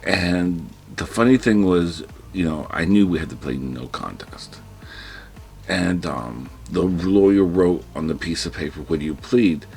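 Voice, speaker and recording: A man's voice: deep voice, lively intonation, unhurried, gravelly, darkish tone, faint music behind. A man vlogging a personal story in casual, rambling storytelling, breathing heavily. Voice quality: heavy breathing. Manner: rambling, restarts, quotes himself in panicked whispers.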